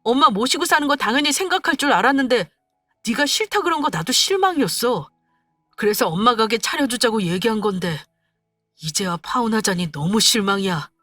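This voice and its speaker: A woman voicing an angry, demanding young man who accuses his fiancée and shouts at her, in a spoken story. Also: fairly high pitch, animated, fairly quick, dry recording, studio quality, soft background music. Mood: whiny.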